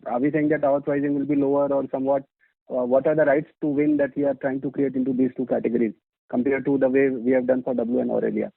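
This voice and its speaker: A man's voice: mid-range voice, little pitch movement, fast talker, creaky, dry recording. A man with an Indian accent, an analyst putting deferential, wordy questions on an earnings call. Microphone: telephone line. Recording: dry, dull phone line.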